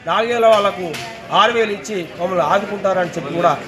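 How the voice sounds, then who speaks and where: A man leading a protest, speaking forcefully to reporters and pleading for demands in repeated phrases. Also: sits high, fast, over music. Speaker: protest leader speaking to press. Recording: loud crowd behind.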